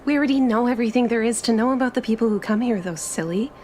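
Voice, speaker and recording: A woman's voice: fairly high pitch, fast, darkish tone, a little hiss or hum, lightly acted. A woman playing an eager, chatty young traveler in a tabletop roleplay, with gushing, informal, stop-start chatter. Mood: chatty, teasing.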